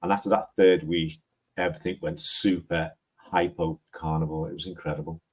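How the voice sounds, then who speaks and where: A man in his sixties with a Liverpool accent, chatting on a livestream in a slow, rambling way. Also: deep voice, flat delivery, slightly rough. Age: 60s. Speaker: guest. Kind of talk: casual livestream chat.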